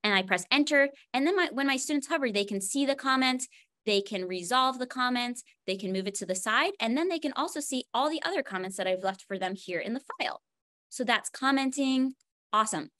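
A woman with a bright, fairly high voice shows off features in a cheerful, chatty way. She speaks over a webcam call. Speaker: education team presenter. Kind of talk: live software demo.

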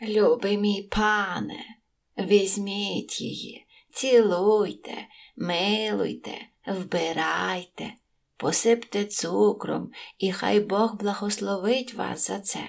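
Woman doing a greedy innkeeper wife, shrill and wheedling, big fake sweetness. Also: normal speed, close to an everyday voice. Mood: fawning. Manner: shrill, fawning and whining.

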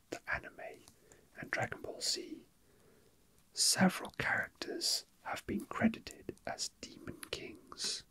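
Speaking to no one but themselves, a toy unboxing host whispers in a relaxed ASMR manner near the microphone. The sound is soft and breathy, never rushed.

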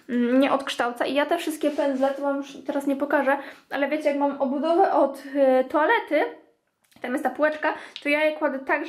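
Chatty young woman in an echoey bathroom. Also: sits high. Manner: chatty, addresses viewers as "girls". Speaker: beauty vlogger. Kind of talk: casual clean-with-me vlog narration. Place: home bathroom.

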